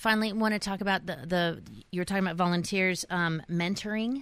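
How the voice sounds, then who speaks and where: Fairly quick speech from a woman in an ordinary speaking voice, medium in pitch with ordinary pitch variation. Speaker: radio host. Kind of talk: casual interview. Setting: studio.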